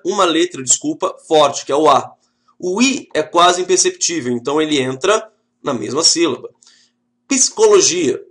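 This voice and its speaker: Um professor com sotaque brasileiro dando uma videoaula animada, falando direto com a turma em tom de brincadeira. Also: male voice, a little high. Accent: Brazilian Portuguese. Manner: lively, joking, talks straight to the class. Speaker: teacher. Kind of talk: video lesson.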